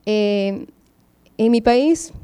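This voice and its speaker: A woman's voice: on the high side, extremely slow, warm tone, clear, resonant tone. A woman from Venezuela, a postgraduate student, asking questions from the audience at a medical symposium with many hesitant fillers.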